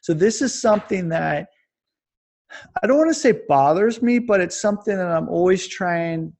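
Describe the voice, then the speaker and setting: A man's voice: high-pitched, animated, normal speed, darkish tone. A man in his forties from Kansas, chatting as a podcast guest in a loose, rambling way. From Kansas, USA. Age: 40s. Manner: rambling, self-described babbling. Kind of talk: casual conversation.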